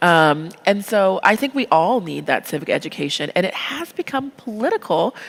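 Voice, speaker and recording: Noticeable background noise beneath a woman's voice with very wide swings in pitch. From grew up moving around, military family. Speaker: state legislator. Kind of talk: Q&A at a church forum. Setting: church forum with in-person and online audience.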